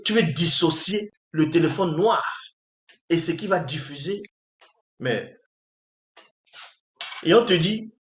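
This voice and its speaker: A man preaching a monologue in an emphatic, repetitive way, often firing rhetorical questions at his listeners. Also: fairly high pitch. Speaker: spiritual teacher. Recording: roomy echo.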